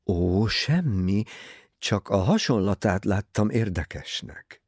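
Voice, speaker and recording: A man reading aloud, voicing a calm, shrewd older detective who speaks quietly and thoughtfully. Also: lowish voice, husky, no room sound, studio quality. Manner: quiet, measured and musing.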